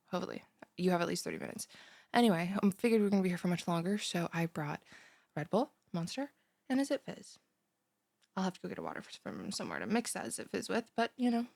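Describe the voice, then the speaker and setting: A woman's voice: lowish voice, dry recording. A young woman playing a scatterbrained, chatty, bubbly student in a one-sided audio roleplay, rambling like a valley girl straight at the listener. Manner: rambling valley-girl chatter full of "like", sighs and breathy asides. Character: chatty, scatterbrained, over-caffeinated bimbo female college student, bubbly and blunt.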